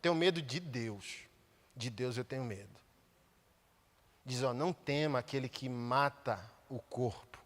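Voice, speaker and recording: A Brazilian Portuguese-accented man preaching a sermon as a pastor, colloquial and impassioned, with sudden loud outbursts. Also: mid-range voice, a little slow, long pauses, in a large hall.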